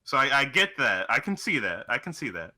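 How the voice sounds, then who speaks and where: A man's voice: mid-range voice, sing-song, fairly quick, sharp tone. A man chatting casually as co-host of a video game show, swearing freely as he goes. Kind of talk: casual chat.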